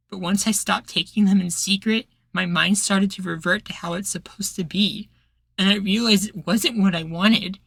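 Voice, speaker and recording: A man acting a troubled, self-doubting rebel leader with a hushed, halting delivery in an ASMR roleplay. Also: high voice, creaky, breathy edge, dry recording, heavily acted.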